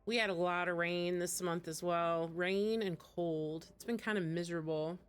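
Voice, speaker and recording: A woman's voice: fairly low pitch, fairly even intonation, moderate pace, smooth. A woman livestreaming video games, chatting casually and poking fun at herself. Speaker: game livestreamer. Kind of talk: casual gaming stream chat. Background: game music.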